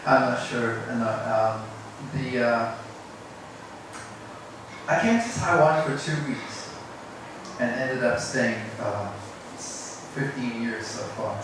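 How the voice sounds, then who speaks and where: A man's voice: medium pitch, takes it slowly. A middle-aged man from South Africa tells a personal story to a group in a hesitant, self-deprecating way. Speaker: English teacher. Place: indoor room at a teachers' workshop. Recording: echoey room, distant mic, noisy.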